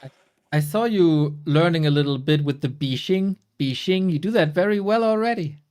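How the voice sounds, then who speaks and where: A man's voice: on the high side, moderate pace, darkish tone. A man from Germany, hosting a live esports broadcast and reading a sponsor spot in a chatty, playful, self-mocking way. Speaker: esports caster and host.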